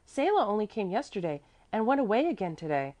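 A woman's voice: mid-range voice, very animated, fast talker, dark tone, dull audio, voice pushed up, close to an everyday voice. A woman voicing a chatty, trusting little girl who prattles eagerly in a children's storybook.

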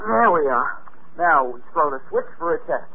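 A high-pitched, very lively teenage boy, eager, slangy and sure of himself. He schemes and brags in a 1950s space radio play, heard through a tinny, noisy old broadcast recording. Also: moderate pace. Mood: cocky, eager. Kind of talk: 1950s radio drama acting.

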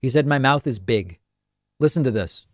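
A man's voice: medium pitch, expressive, dry recording, studio quality. Emphatic man hosting a political talk show. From northern United States. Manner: brisk, emphatic and sarcastic. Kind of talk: political commentary monologue.

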